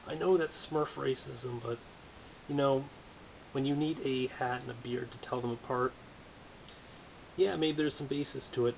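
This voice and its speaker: A man gives an offhand review of a toy figure, sprinkling in dry, self-mocking jokes. His gravelly, middle-pitched voice has fairly even intonation and a moderate pace, and he pauses often. The dull, lo-fi recording carries a faint hiss.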